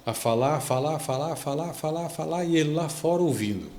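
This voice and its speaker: A Brazilian man, a pastor, telling a story on a devotional podcast, lively and acting out the people he quotes. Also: fairly high pitch, brisk, reverberant, a little hiss or hum. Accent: Brazilian Portuguese. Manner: animated storytelling, acts out quoted speech.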